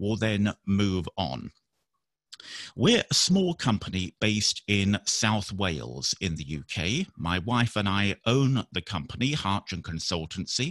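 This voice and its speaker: Against a quiet background, a man with a British accent and fairly low pitch speaks at a very slow pace, using vocal fry and very wide pitch swings. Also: dry, close sound with no echo. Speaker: assistive technology consultant. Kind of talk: software demonstration webinar. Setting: video call.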